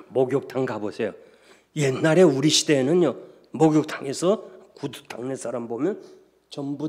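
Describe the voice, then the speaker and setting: A Korean pastor delivers a revival sermon in a church with a long, ringing reverb. He tells stories, drops to quiet asides, then rises into loud, emphatic exclamations. His voice sits at an ordinary middle pitch for a man. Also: slightly rough. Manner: storytelling, swings from hushed to loud exclamations. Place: church sanctuary.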